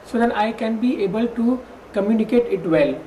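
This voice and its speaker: A woman's voice: on the high side, moderate pace, warm tone. Woman, stammering. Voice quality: stammers with syllable repetitions. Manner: hesitant, many fillers and restarts. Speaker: stammering workshop participant. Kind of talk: interview answers. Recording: distant mic with faint background noise.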